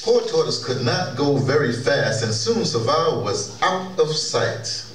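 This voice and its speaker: A man's voice: a little high, lively intonation, a little slow. A middle-aged man presenting and narrating a story for a live audio drama. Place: large wood-panelled conference hall, indoors. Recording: distant, echoey hall, clear background noise.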